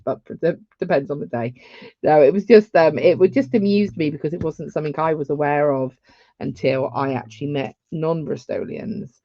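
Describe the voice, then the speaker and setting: Woman, low voice, chatty beading tutor on a dull, dry lo-fi stream. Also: dark tone, no echo. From England. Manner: chatty, rambling asides. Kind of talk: live craft tutorial.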